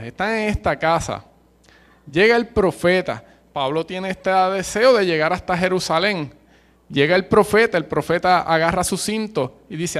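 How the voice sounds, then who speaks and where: Emphatic Puerto Rican preacher, high voice. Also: male voice, a bit bright. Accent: Puerto Rican Spanish. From Puerto Rico. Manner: passionate, emphatic, uses colloquial slang and humor. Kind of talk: sermon.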